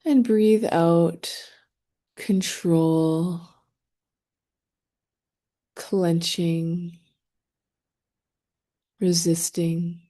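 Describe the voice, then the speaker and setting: Soft and calming, this meditation guide's voice sits fairly low. She keeps her phrases brief and lets long, unhurried silences stretch out between them.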